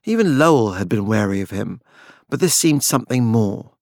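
A man's voice: lowish voice, animated, moderate pace, darkish tone, no echo, clean studio sound. A man reading literary fiction aloud as a scripted audiobook narration.

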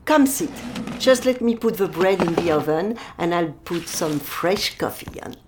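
A woman's voice: fairly low pitch, expressive, measured pace, background noise. A woman playing a kindly older baker lady who fusses over her guests, speaking. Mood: fussing. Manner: fussing, warm-hearted, broken English. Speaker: bakery owner. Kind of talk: audio drama acting.

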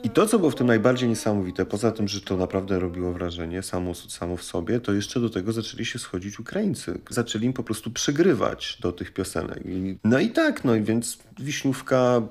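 A man casually telling an anecdote, halting and repeating words as he goes. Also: fairly low pitch, animated, a little mellow.

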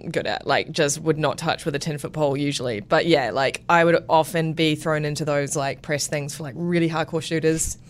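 A woman on a gaming podcast panel, telling stories in a chatty, animated way. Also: deep voice, brisk, hardly any pauses. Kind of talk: casual panel chat.

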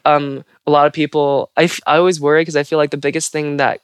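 A woman's voice: sits low, quick pace, clear, resonant tone, no room sound, clean studio sound. A trans woman from California, a Foley artist, chatting casually on a podcast with a fairly androgynous voice. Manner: animated, androgynous voice.

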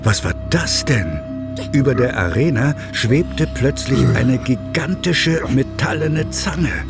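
A man narrating a children's audio story in a scripted, expressive and suspenseful way. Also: mid-range voice, slow pace. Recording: music under the voice.

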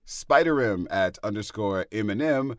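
A man on a podcast talking in casual chat, gushing and excitable, stumbling and repeating words on a studio mic. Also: on the low side, unhurried, dry recording. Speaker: podcast guest.

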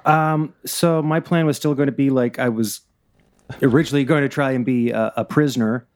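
A man's voice: mid-range voice, moderate pace. Male player, plain mid voice, rambling plan talk. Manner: rambling, plans aloud. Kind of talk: casual tabletop game chat.

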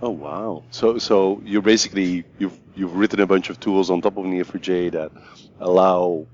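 Man, podcast host, very low voice, repeats words, dull lo-fi sound, faint background noise. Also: steady tone, darkish tone. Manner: friendly, halting with repeated words. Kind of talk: interview podcast chat.

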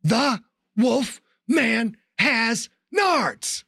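A man's voice: high-pitched, very animated, normal speed, vocal fry, husky, no room sound, heavily acted. A man voicing a cocky, wisecracking male fighter who talks with mock politeness.

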